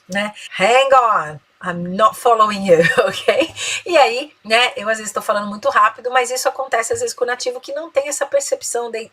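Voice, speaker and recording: Bright, breathy Brazilian teacher. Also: female voice, medium pitch, rough recording. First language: Portuguese. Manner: explains in Portuguese, models English phrases slowly; tags sentences with "né?". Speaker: English teacher. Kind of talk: bilingual English lesson.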